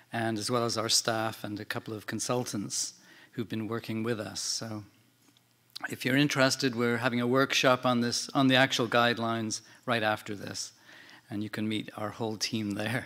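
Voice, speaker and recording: A man with an Irish accent speaks in a bright, sharp tone with monotone, flat intonation. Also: medium pitch for a man, moderate pace. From Ireland, Dublin. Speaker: geriatric psychiatrist. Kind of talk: conference presentation.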